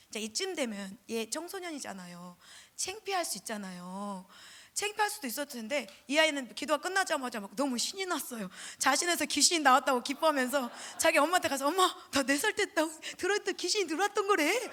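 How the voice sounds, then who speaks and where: A middle-aged woman, a pastor's wife, giving a lively testimony at a church revival and acting out the voices of the people she quotes. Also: high voice.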